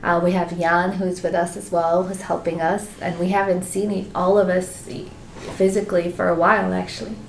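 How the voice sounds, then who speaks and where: A woman co-hosting a podcast in casual chat, hoarse and losing her voice, laughing often. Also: lowish voice, little pitch movement, moderate pace. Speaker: podcast co-host. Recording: roomy echo, faint noise.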